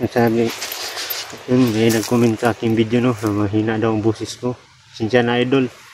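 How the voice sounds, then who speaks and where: A man speaks fairly quickly at a medium pitch with monotone, flat intonation. He leaves long, frequent pauses, and background noise is noticeable. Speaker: vlogger. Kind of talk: outdoor vlog narration. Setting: outdoors in the mountains. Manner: speaking louder than before; shy, self-conscious. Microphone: phone recording, viewer said voice too quiet.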